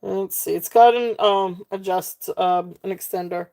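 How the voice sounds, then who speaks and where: A middle-aged woman with a Southern US accent hosting a live jewelry sale, chatty and folksy, with frequent ums and soft laughs. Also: mid-range voice, fairly even intonation, a little slow. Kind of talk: casual live-stream selling.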